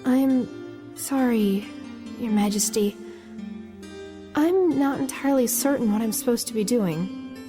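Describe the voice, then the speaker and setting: A woman's voice: fairly high pitch, lively intonation, slow pace, long pauses, over music. A woman playing a bewildered, deferential young woman in an audio drama, speaking in a hesitant, questioning, plain way. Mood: meek, confused.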